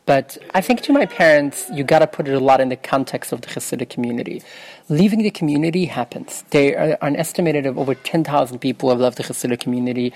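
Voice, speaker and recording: A woman's voice: extremely low pitch, fast talker, darkish tone. A young woman from New York, a native Yiddish speaker, answering interview questions in an earnest, self-correcting way. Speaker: interview guest.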